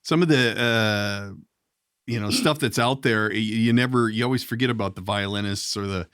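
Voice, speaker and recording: A man's voice: lowish voice, normal speed, fairly bright tone, clean tone, no echo, clean studio sound. A middle-aged man hosting a casual comedy podcast, joking and conversational as he interviews. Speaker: podcast host.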